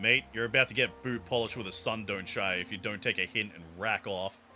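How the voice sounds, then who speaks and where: Using a put-on character voice, a man growls at a fairly low pitch and a fairly quick pace while music plays in the background. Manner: menacing, threatening.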